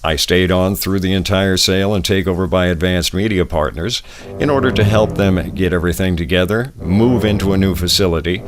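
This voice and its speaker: A middle-aged American man delivering scripted promotional narration in a polished announcer style, pitching himself as a voiceover and radio professional. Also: fairly quick. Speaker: voiceover artist and radio production director. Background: music bed under the voice.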